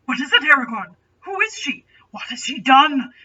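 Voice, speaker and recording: A woman's voice: high-pitched, very animated, normal speed, pushed and bright, voice pushed up, exaggerated voice. A woman voicing a lovestruck, overwrought young male elf, anguished and demanding, in a comic fan fiction reading. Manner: overwrought, theatrical. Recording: dull, distant home microphone.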